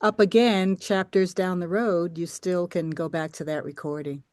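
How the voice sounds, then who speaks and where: A woman's voice: fairly low pitch, fairly even intonation, moderate pace, a little mellow, no room sound, clean studio sound. A woman joining a voice-over training, agreeable and loose with her fillers.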